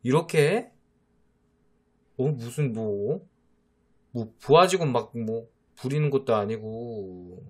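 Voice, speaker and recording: A man's voice: medium pitch, expressive, slow pace, pauses often. A man voicing a teasing boyfriend who coaxes and mock-scolds his jealous younger girlfriend, in a whispered role-play. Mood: playful scolding. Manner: teasing, coaxing, mock-exasperated. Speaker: voice actor.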